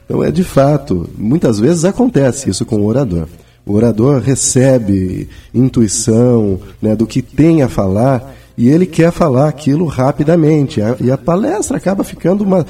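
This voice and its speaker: A man's voice: mid-range voice, expressive, normal speed, warm tone, breathy edge, recorded from a distance. A man commenting on a radio discussion, explaining in a conversational way with frequent tag questions. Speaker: guest commentator.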